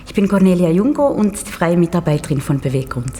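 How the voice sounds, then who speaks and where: A woman dancer speaks earnestly and personally in an interview, pausing with small hesitations. Her voice sits somewhat low. Music plays underneath. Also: expressive, dark tone. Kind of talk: interview portrait.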